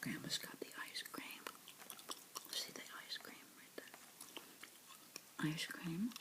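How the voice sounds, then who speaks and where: A woman softly whispering her way through a picture book, slowly and dotingly remarking on the pictures as she reads. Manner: slow, soft, doting commentary on the pictures.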